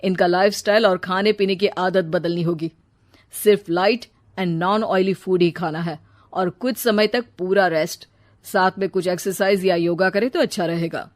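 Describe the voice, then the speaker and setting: A woman's voice: on the low side, fairly even intonation, moderate pace, natural voice. A woman voicing a male doctor who gives matter-of-fact advice in a cartoon story. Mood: serious.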